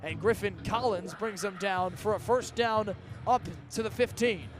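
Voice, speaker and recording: A man's voice: sits high, normal speed. A man in his twenties doing live radio football play-by-play in clipped, urgent phrases from a stadium. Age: 20s. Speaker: play-by-play announcer. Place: outdoors at a college football stadium. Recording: outdoor stadium ambience, faint background noise.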